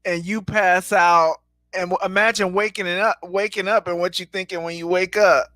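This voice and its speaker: A man co-hosting a podcast, speaking in a measured, thoughtful way with many fillers. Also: high-pitched, little pitch movement, sharp tone, no echo. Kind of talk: casual podcast commentary.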